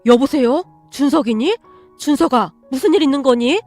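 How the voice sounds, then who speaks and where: A devoted male teacher speaks up firmly for his student in this radio story, voiced by a woman reader. Her voice stays high and earnest over faint music. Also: animated, moderate pace, a little mellow. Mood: alarmed. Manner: earnest, raising voice in defense. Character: devoted male teacher, quiet but protective.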